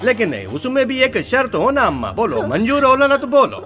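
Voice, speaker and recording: Grudging, condescending moneylender, South Indian accent, radio drama, highly animated haggling. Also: male voice, brisk, soft background music, exaggerated voice. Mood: reluctant bargaining. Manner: broken Hindi, haggling, condescending. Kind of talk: Hindi radio play acting.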